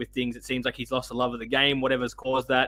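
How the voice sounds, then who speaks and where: A man speaks at a medium pitch in an Australian accent. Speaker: sports podcast host. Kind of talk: casual sports talk show. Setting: live stream. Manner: halting, many fillers.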